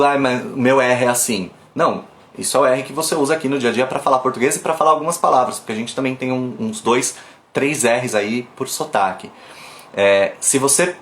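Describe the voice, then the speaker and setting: A man from Brazil teaches pronunciation live on his phone, chatty and lively, stopping often to show how a sound is made. His voice sits at a middle pitch. The room around him rings a little. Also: reverberant, a little hiss or hum. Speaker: English teacher. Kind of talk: live online pronunciation class. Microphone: phone camera.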